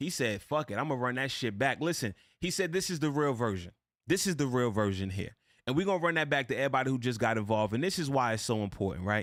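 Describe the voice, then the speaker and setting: Animated and very fast, a man with a New Jersey accent speaks at medium pitch with lively intonation. The recording is very clean, with a silent background. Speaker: live stream host and music critic. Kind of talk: live stream music critique. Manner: casual, animated.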